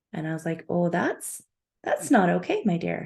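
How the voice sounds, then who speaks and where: The woman's tone is dark and mellow. She keeps a moderate pace. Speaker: values and conflict coach. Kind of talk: casual chat. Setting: video call.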